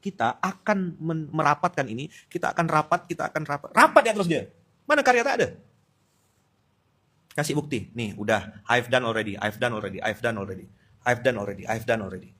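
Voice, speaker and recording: A male preacher with a Pontianak Malay accent delivers a dawn sermon. His voice is bright and forceful, and he talks at an ordinary middle pitch. He teases his listeners, jumping from loud outbursts to quiet asides. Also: a little fast, breathy edge. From Indonesia. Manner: lively, teasing, switches between loud outbursts and quiet asides. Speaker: Islamic preacher. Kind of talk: dawn study-circle sermon.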